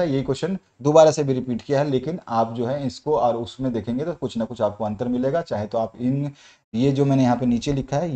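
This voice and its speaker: A man teaching an exam-prep lesson, explaining patiently with many fillers and reading English questions out slowly. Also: mid-range voice, mellow.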